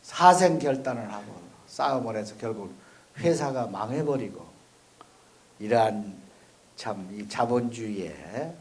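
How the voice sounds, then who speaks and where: A male Buddhist monk from Chungcheong gives a conversational dharma talk. He speaks in a folksy, plain-spoken way and keeps checking in with the listeners with a quick "eh?". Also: medium pitch, a little mellow, a little hiss or hum. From Chungcheong, South Korea. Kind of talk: conversational sermon. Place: temple or university dharma hall.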